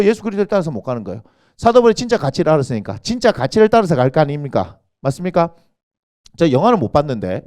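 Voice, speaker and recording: Male pastor, fairly high voice, animated sermon with rhetorical questions. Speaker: senior pastor. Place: church sanctuary.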